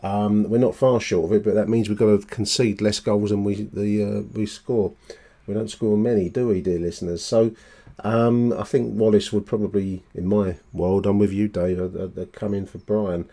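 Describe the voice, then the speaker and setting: A man hosting a casual fan podcast, speaking in a halting, matey way and correcting himself as he goes. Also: lowish voice, steady tone, warm tone. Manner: halting, self-correcting, matey, tag questions. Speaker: podcast host.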